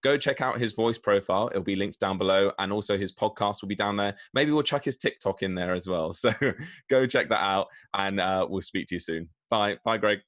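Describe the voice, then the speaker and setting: A man's voice: lowish voice, brisk, a bit bright. A man hosting an interview in a casual, chatty style. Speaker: interview host.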